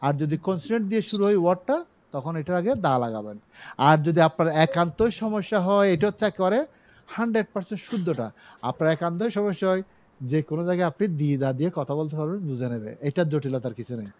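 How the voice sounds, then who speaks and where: A man's voice: on the high side, animated, fast talker, a little mellow. A man teaching English over a video call, speaking in a slightly raised voice. He explains patiently, repeats key words and draws on everyday examples. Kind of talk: online English grammar class.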